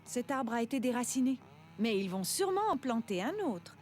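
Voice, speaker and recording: A woman's voice: fairly high pitch, very animated, fairly quick, darkish tone. A woman voicing a caring young mother in a children's cartoon, explaining things patiently. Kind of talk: French children's cartoon dubbing.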